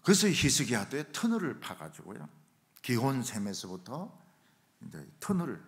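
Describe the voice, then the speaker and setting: A middle-aged man preaching a revival sermon in a church, telling stories and acting out shouted quotes. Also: mid-range voice, normal speed. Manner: animated storytelling, acts out shouted quotes. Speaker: pastor. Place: church sanctuary.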